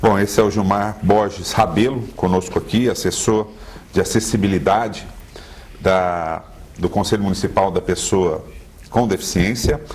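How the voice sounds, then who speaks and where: A man with a Brazilian accent hosting a local television debate, courteous and measured as he wraps up. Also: sits low, steady tone, darkish tone. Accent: Brazilian Portuguese. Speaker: debate show host.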